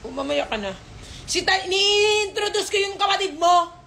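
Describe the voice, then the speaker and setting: A woman's voice: very high-pitched, animated, normal speed, gravelly, pushed and bright, a little hiss or hum, low-quality recording. A woman hosting a casual live stream, talking baby-talk to her dogs and scolding them playfully.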